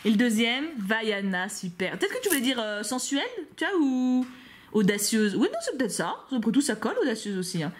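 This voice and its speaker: A woman's voice: fairly high pitch, fairly quick. A young woman from France opening fan mail for her viewers, gushing and teasing, often stumbling over repeated words. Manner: gushing and excitable, stammering repeats; playful teasing asides. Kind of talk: casual unboxing vlog, talking to viewers.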